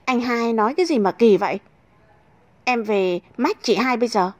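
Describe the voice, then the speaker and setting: A woman's voice: fairly high pitch, no echo, natural voice. Woman playing an indignant young sister-in-law. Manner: indignant, quick.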